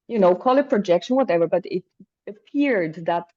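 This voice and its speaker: A woman's voice: medium pitch, expressive, moderate pace, mellow, lo-fi sound. A woman with a German accent, a native German speaker, speaking hesitantly on a group video call and searching for English words. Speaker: caller.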